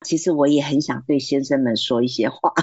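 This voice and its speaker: Low husky woman giving Christian advice. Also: steady tone, a little fast, darkish tone, no echo, muffled recording. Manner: earnest, encouraging, acts out quoted speech. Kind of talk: faith-based advice talk.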